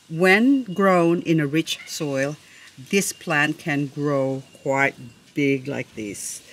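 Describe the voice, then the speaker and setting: A woman in a casual show-and-tell vlog, talking slowly and lingering over her words. Her voice sits a little low, and she gushes and admires as she chats. She jokes playfully with herself, with faint background noise behind her. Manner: gushing, admiring, chatty. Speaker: succulent-growing vlogger.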